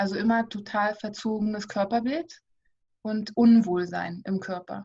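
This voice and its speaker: A woman's somewhat breathy voice with a dark, mellow tone and fairly even intonation. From Germany, Berlin. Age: 30s. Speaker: mother sharing her illness story. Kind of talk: interview testimony. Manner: hesitant, many filler sounds.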